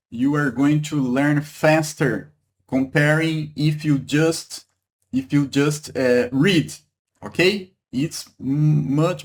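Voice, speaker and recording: A man from Brazil with a Brazilian Portuguese accent, teaching a Hebrew lesson in English, halting and repeating words, checking in with "okay?" and "right?". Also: fairly high pitch. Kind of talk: online language lesson.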